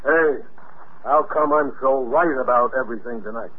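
A gruff middle-aged father, played by a male actor, husky and forever grumbling. He is opinionated and dismissive, in 1950s radio drama style, on a tinny, narrow old recording. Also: mid-range voice, moderate pace, natural voice. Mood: grumbling, scornful. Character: grumpy, opinionated father, a space cop.

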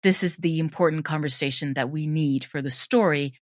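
Thoughtful woman with a lowish voice. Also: a little fast, no echo, clean studio sound. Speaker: audio drama creator being interviewed. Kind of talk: reflective conversational interview about craft.

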